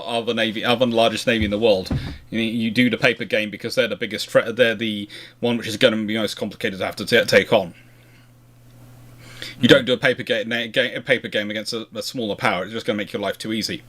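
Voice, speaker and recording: A man's voice: mid-range voice, fairly bright tone. A man hosting a casual history question-and-answer chat, rambling and often circling back to rephrase himself. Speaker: host answering viewer questions.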